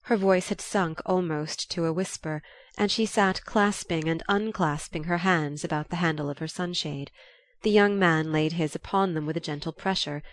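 A woman narrating a novel aloud in a calm, even storytelling manner. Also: on the low side, moderate pace, no echo. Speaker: audiobook reader.

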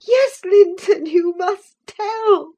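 A woman voicing a passionate young woman, high and tearful, pleading and defiant. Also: extremely slow, warm tone, exaggerated voice.

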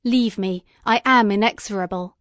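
A woman voicing a defiant, furious young male scientist in an audiobook reading, speaking forcefully and indignantly. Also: mid-range voice, normal speed, dry recording, clean studio sound, natural voice.

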